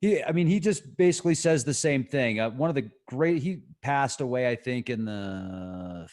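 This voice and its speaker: A man's voice: mid-range voice, lively intonation, moderate pace, a little mellow. A man hosting an interview livestream, asking questions in a casual, conversational way. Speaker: livestream host.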